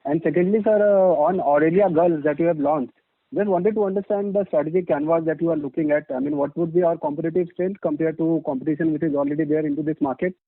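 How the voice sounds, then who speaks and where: Indian analyst guy, creaky voice, wordy respectful questions on an earnings call, dry phone audio. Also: on the high side, quick pace, dry recording. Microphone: telephone line. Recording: dry, dull phone line.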